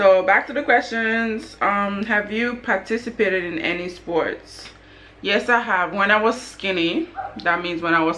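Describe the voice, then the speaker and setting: Her Nigerian accent comes through as this woman speaks at a moderate pace. She talks at a medium pitch with ordinary pitch variation. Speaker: vlogger. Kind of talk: casual talk to camera. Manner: chatty, informal. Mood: relaxed, playful. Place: home room. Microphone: camera far.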